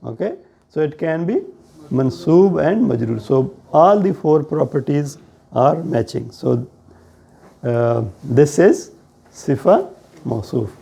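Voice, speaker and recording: A man with a South Asian accent teaching a grammar lesson in a deliberate, explanatory way, often checking with questions. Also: on the high side, animated, vocal fry, warm tone, husky. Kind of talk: classroom lesson on Arabic grammar.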